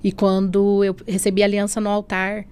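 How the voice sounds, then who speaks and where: Woman, podcast guest, heartfelt faith testimony, recreates remembered dialogue, steady mid-range pitch. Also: normal speed, smooth. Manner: storytelling that acts out remembered dialogue; leans on tag questions and softening fillers. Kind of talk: emotional personal testimony. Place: podcast studio.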